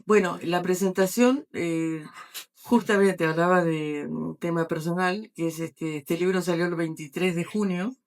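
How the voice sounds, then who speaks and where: Older Argentine woman, author being interviewed; halting, full of pauses and restarts. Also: lowish voice, steady tone. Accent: Argentine Spanish. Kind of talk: book presentation interview.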